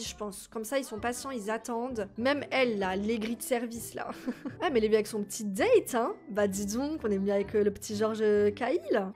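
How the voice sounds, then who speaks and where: A young woman commentates her own gameplay in a high, lively voice. She is chatty and excitable and keeps addressing her audience directly. Soft background music plays under her talk. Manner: chatty, excitable, talks straight to viewers. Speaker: gaming YouTuber. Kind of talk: casual let's-play commentary.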